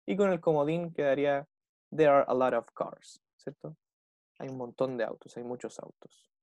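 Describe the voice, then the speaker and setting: A man's voice: medium pitch, normal speed, a little mellow, dry recording, lo-fi sound. A young man with a Chilean accent teaching an online English class, explaining step by step and checking in with the students after almost every phrase. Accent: Chilean Spanish.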